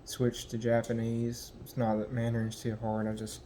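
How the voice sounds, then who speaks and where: A young American man from the United States, talking casually in a vlog and haltingly searching for words with many ums. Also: medium pitch, completely flat delivery, dark tone, a little hiss or hum. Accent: American English. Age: young adult. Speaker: language learner.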